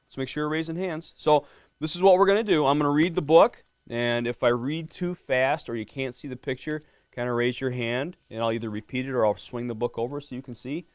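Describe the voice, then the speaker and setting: Middle-aged man, police officer, friendly read-aloud, quizzes children, dry close sound, mid pitch. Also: steady tone, a little fast, clear, resonant tone, no room sound. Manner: friendly, quizzing the kids, often asks "right?". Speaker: police lieutenant reading to students. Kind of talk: reading a picture book to a class. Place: elementary school classroom.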